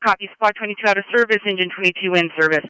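Woman, urgent fire dispatch radio, quick clipped phrases, bright crisp voice, two-way radio sound. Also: mid-range voice, no room sound, low-quality recording. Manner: brisk, clipped, repeats messages back.

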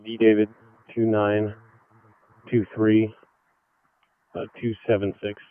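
A man's voice: fairly low pitch, monotone, slow pace, no echo. Man on a tinny walkie-talkie. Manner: clipped, matter-of-fact. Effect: over a walkie-talkie radio. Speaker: police officer. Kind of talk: terse radio traffic in call codes. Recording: tinny narrow-band radio, dry.

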